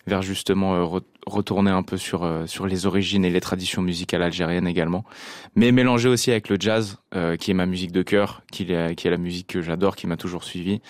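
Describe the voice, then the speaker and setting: A man's voice: low voice, no room sound, studio quality. A French-born man, a jazz musician, answering interview questions thoughtfully with many hesitations. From France.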